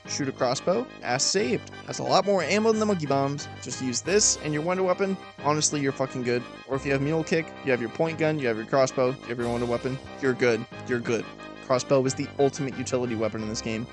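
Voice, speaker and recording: A young man giving emphatic, profane weapon-ranking commentary, his throat tired and a little raspy. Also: mid-range voice, a little fast. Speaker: gaming video host. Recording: voice-over with loud music behind.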